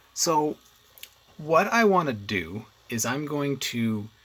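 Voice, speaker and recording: This man's fairly high voice has a bright, sharp tone and very wide pitch swings. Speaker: tech video host. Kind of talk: casual talk to camera.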